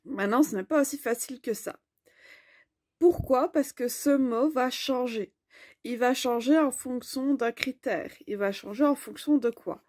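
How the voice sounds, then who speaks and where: Slow, patient woman teaching grammar. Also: high-pitched, a little mellow, dry recording, clean studio sound. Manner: slow, clear, explanatory. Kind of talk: online grammar lesson.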